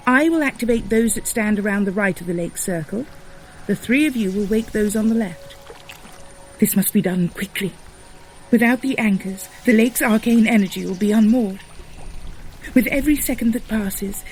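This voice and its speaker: A woman's voice: on the high side, darkish tone, natural voice, rough recording. An actress playing a solemn, commanding Norse goddess in an audio drama, formal and authoritative as she gives instructions. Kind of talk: scripted audio drama acting.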